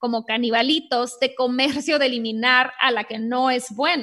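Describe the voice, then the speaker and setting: Over a quiet background, a woman speaks at a moderate pace in a raised, projected voice, high-pitched with a bright, sharp tone. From Mexico, Sonora. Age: 40s. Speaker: health coach. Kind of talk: podcast interview.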